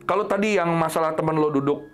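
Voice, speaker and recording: A man hosting a podcast, telling a story in casual chat and acting out his friends in sudden high voices. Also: quick pace. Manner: animated, jumps up high when acting out friends.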